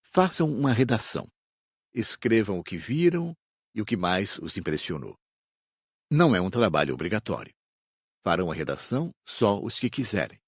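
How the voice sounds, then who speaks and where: A Brazilian man playing a patient spirit teacher in an audiobook, explaining in a measured, didactic way. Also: lowish voice, big pitch swings, breathy edge, dry recording, clean studio sound, full character voice. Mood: calm, instructive. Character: patient male spirit teacher instructing his students. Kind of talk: audiobook dramatized reading.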